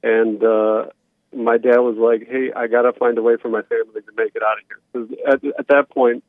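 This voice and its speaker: A man in his thirties calling a talk show by phone, telling a personal account casually and haltingly over a tinny line. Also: medium pitch, little pitch movement, no echo. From born in Romania, later moved to the United States. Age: 30s. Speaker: caller.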